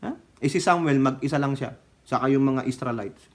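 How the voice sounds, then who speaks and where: A man giving scornful political commentary and retelling Bible stories, chuckling and swinging between low mutters and loud bursts. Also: fairly quick. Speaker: political vlogger. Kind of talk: opinionated commentary mixed with Bible storytelling.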